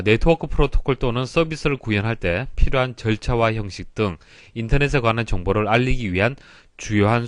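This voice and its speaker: Male instructor, fairly deep voice, explanatory lecture delivery with repeated key points, dry room-free sound. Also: a bit bright, dry recording. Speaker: exam-prep lecturer. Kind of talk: instructional lecture working through past exam questions.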